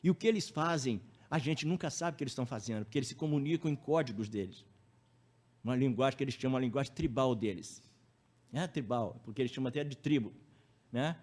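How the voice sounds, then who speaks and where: A man's voice: mid-range voice, fast, a little mellow. A man giving a public lecture at a spiritist center, chatty, often tagging sentences with a question and acting out anecdotes. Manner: conversational, tag questions, acts out anecdotes.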